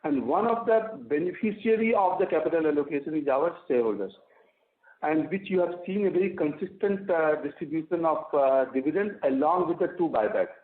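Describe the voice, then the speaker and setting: A man with an Indian accent and a fairly high voice explains business in an emphatic way, as an executive would. He comes through a narrow, tinny phone line with a strong room echo. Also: lively intonation, brisk. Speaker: company executive on an earnings call. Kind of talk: explanatory business talk on an investor call. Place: conference phone call.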